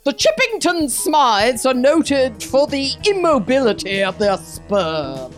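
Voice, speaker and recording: An actress playing an imperious, elderly upper-class matriarch in a comedic radio play, declaiming grandly and deliberately. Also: female voice, high voice, sing-song, faint music behind, full character voice. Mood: stern, dramatic.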